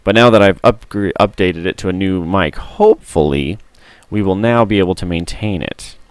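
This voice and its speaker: A tired, hoarse man with a gruff, rough voice streaming a game, chatting and muttering to himself on a close mic. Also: low-pitched, moderate pace, no room sound. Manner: mutters to himself while playing. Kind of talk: casual gameplay stream chat. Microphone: close studio mic.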